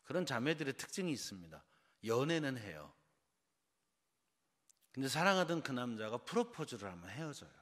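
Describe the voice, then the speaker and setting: Very animated and fairly bright in tone, this medium-pitched pastor from Seoul, South Korea, speaks at a moderate pace with long pauses. He preaches an early-morning sermon in a church sanctuary with long reverb, quizzing the congregation throughout.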